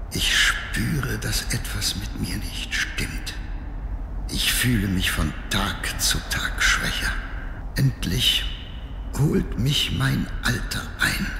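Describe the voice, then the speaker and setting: A weary old nobleman narrates his diary in a dramatic game style. His delivery is slow, grave and deliberate, with a widely moving melody. Long echoing reverb surrounds the voice. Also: lowish voice, vocal fry, a bit bright, a little hiss or hum, exaggerated voice. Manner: solemn, deliberate, theatrical.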